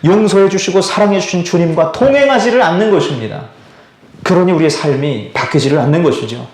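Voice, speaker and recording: A man's voice: high voice, animated, brisk, roomy sound. Young man preaching with swings in volume. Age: young adult. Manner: preaches with swings from loud pleading to hushed tones. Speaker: pastor. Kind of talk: sermon. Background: guitar music.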